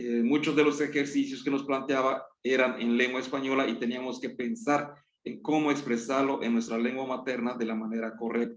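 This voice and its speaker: A man with a Yucatán accent talks at a moderate pace in a medium pitch, his intonation monotone and flat, with hardly any pauses. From Yucatán, Mexico (rural Maya community near Izamal). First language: Yucatec Maya (speaking Spanish). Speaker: Maya interpreter and cultural promoter. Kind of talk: panel talk on personal experience. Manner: halting, many fillers.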